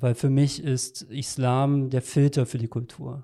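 The recording is very clean, with a silent background. A man speaks in a dark, mellow tone at a medium pitch with fairly even intonation. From eastern Germany, Magdeburg. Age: 30s. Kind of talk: interview conversation.

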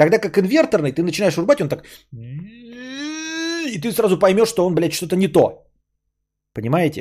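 With very wide pitch swings and long, frequent pauses, a man talks at a moderate pace in a high, animated tone. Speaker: podcast host. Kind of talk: casual chat, solo podcast with news reading and chat replies. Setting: studio, live stream with chat and donations. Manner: animated, profane, joking.

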